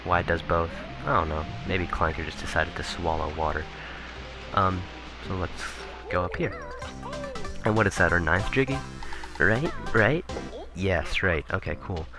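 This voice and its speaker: A man commentating casually on a video game he is playing, rambling and correcting himself, his voice turning raspy. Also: low-pitched, unhurried. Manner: rambling, self-correcting, chuckling asides. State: voice getting raspy. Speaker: let's play commentator. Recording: game music playing behind.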